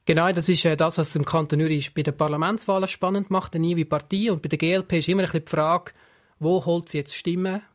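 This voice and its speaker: Male radio pundit, Swiss German accent, higher-than-average pitch, measured and explanatory. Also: steady tone. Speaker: political scientist interviewed as analyst. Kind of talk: radio interview analysis.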